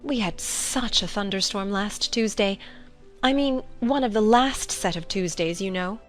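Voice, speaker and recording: A woman's voice: medium pitch, a little slow, soft background music, lightly acted. A woman playing a timid, muddled White Queen in a dramatized storybook, nervous and rambling as she confides. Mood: anxious. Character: dithering, timid, muddled White Queen, a chess-piece monarch. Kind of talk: dramatized audiobook acting.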